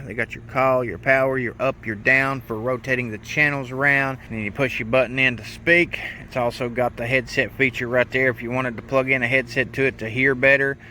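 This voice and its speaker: A man with a medium-pitched voice talks through a product review. He is plain-spoken and folksy, explaining things in a loose, rambling way like a handyman showing off gear. There is faint but noticeable noise behind his voice. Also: sharp tone. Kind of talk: casual hands-on product review.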